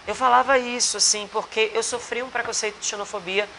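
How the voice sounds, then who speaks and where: This singer and actor from Rio Grande do Norte has a Potiguar Brazilian Portuguese accent and a high, steady, bright, forceful voice at a fairly quick pace. He chats earnestly in a rambling bar interview full of restarts, and the rough recording carries a little hiss or hum.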